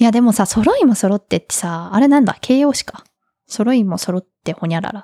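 A woman with a dark, mellow tone speaks at a fairly quick pace in a dry, close sound with no echo. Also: fairly high pitch for a woman, lively intonation. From Japan. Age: 20s. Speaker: podcast co-host. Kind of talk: casual chat. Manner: casual, laughing often.

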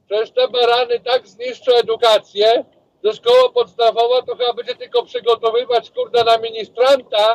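At an extremely high pitch, a man talks in a monotone, flat way at a moderate pace, with a dry, close sound and no echo. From Podlasie, eastern Poland. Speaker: regular caller. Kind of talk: casual phone-in chat. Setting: phone call. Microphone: weak, hard to hear line.

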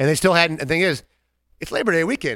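Very clean recording with a silent background. A man talks very fast at a fairly high pitch. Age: 30s. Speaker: podcast co-host, bartender. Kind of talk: casual chat.

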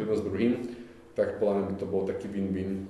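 Audible room echo surrounds a man's voice. He talks at a very fast pace with monotone, flat intonation. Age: 20s. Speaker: politician. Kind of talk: interview.

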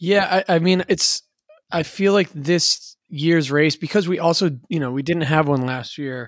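A man speaks in a plain, everyday voice at a fairly high pitch and fairly slow pace. His pitch variation is ordinary, and the sound is dry and close with no echo. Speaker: podcast co-host. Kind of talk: casual chat. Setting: remote call.

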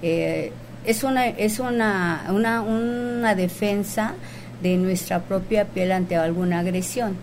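Very slowly and with very even loudness, a woman at medium pitch speaks with ordinary pitch variation amid audible room echo. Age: 50s. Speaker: cosmetologist. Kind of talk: interview.

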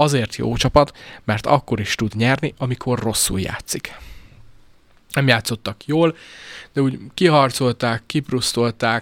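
Delivered at a very slow pace with long, frequent pauses and ordinary pitch variation, the voice sounds dry and close with no echo in a very clean recording against a silent background. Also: man. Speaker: sports journalist. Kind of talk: casual chat.

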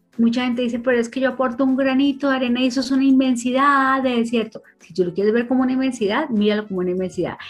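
In a Colombian accent, a woman speaks at a very fast pace with hardly any pauses. Her pitch is high, with ordinary variation. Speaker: personal development speaker. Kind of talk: casual radio interview.

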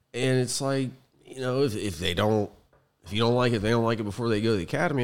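A man with an American accent talks in an ordinary speaking voice. His pitch is medium, with ordinary variation. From US Midwest (Youngstown, Northeast Ohio). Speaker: massage therapist. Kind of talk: casual chat.

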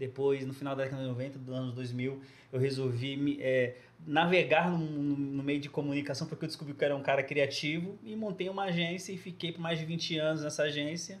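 It is a normal speaking voice at a fairly quick pace, with ordinary pitch variation. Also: man, fairly high pitch for a man. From São Paulo, south zone (Capão Redondo). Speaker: entrepreneur, digital bank founder. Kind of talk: casual interview chat.

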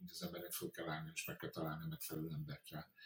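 A man speaks over noticeable background noise. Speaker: illustrator. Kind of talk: interview.

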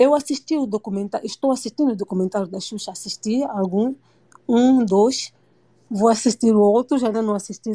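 Speaking with a Mozambican accent, a woman has a fairly high but dark, mellow voice with ordinary pitch variation, heard with a dry, close sound and no echo. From Mozambique. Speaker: listener caller. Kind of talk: casual chat. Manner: animated.

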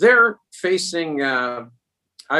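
A man with a US Midwestern accent speaks in a bright, sharp tone. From Fort Wayne, Indiana, US Midwest. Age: 50s. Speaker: insurance brokerage executive. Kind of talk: interview. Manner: frequent fillers and hesitations.

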